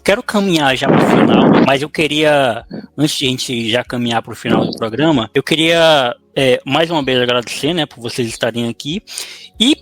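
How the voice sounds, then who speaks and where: A man's voice: medium pitch, normal speed, a bit bright. A man in his late twenties from Acre, Brazil, hosting a podcast and chatting casually, leaning on fillers like "né" and "mano". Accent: Acre Brazilian Portuguese. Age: 20s. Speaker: podcast host.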